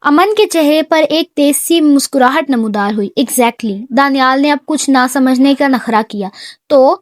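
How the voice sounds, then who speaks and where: A woman reading a romantic comedy novel aloud as an audiobook narrator, in a steady storytelling manner. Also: sits high, no echo, studio quality. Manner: steady storytelling read, voicing every character herself.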